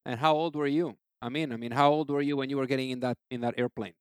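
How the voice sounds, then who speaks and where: A man's voice: medium pitch, fairly even intonation, fast talker, smooth, no room sound, studio quality. A man hosting a podcast interview, wordy and conversational, often padding with "you know".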